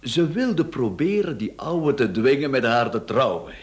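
A Flemish man acting in a radio play as a smooth-talking, cheeky rogue, glib, flippant and teasing. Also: mid-range voice, sing-song, unhurried. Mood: mocking. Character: smooth-talking, cheeky male rogue, a performer under questioning. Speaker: radio drama actor.

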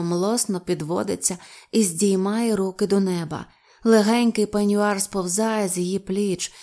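A woman narrating an audiobook with an even, expressive reading. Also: mid-range voice. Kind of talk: storybook narration.

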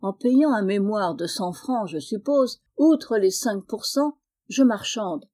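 A woman's voice: medium pitch, slow pace, dark tone. A woman voicing a boastful, scheming young man in a storybook reading, smug and offhand.

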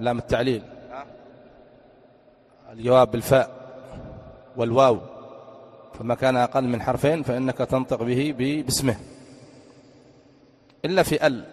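A male religious teacher giving an Arabic grammar lesson, often quizzing his listeners with quick questions. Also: medium pitch, darkish tone. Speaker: Islamic teacher. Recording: long echoing reverb.

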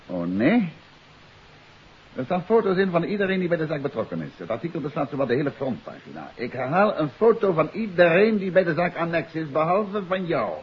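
An actor playing a shrewd, authoritative detective in a 1950s radio drama, speaking in a probing, deliberate way. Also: male voice, on the high side, very animated, breathy edge, heavily acted. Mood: stern, pressing. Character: shrewd, authoritative male amateur detective confronting a suspect. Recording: muffled 1950s radio recording with hiss.

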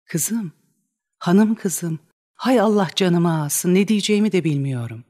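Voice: mid-range voice, measured pace, darkish tone, natural voice. A reader voicing a fretful, devoted older wet nurse in a dramatic reading of a stage play, bewildered and fussing. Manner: bewildered and fussing, wringing out laments.

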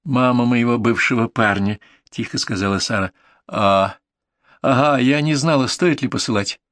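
A man voicing a warm, open young woman from a farm, lifting his voice for her. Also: moderate pace, no room sound, studio quality, natural voice. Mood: wistful. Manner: higher, lighter voice for a young woman.

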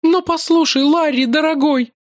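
A man's voice: extremely high pitch, moderate pace, dry recording, clean studio sound, voice pushed up. A man reading an audiobook, voicing a tender, anxious young woman with a motherly, pleading tone.

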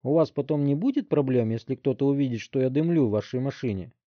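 A man's voice: medium pitch, quick pace, no room sound, natural voice. A man voicing a sarcastic, brash thirteen-year-old boy in an audiobook story, on a dry, slightly dull recording. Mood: mocking. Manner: sarcastic, brash, yelling taunts. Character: cocky 13-year-old boy with a smart mouth.

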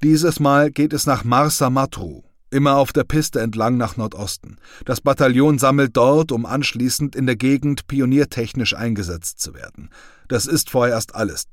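A man's voice: medium pitch, normal speed, no echo, studio quality, voice pushed up, close to an everyday voice. A man reading the part of a stern male army company commander giving formal, clipped orders. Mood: commanding.

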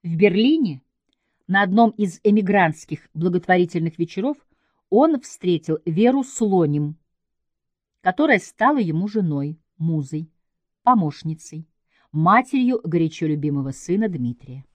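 A woman reading a scripted literary essay aloud in a measured, emphatic way, with deliberate pauses between phrases. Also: on the low side, expressive, a little mellow, no room sound. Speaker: writer giving a literary essay.

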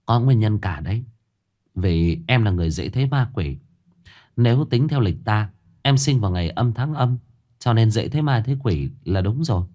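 A man voicing a calm, knowing woman of about forty, a spirit medium, who explains things in a matter-of-fact way in a spoken ghost story. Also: lowish voice, normal speed, natural voice. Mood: explaining.

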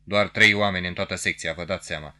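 Brusque young cop, male, low bright voice, read by a man. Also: steady tone. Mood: apologetic. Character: young tall male police major, offhand.

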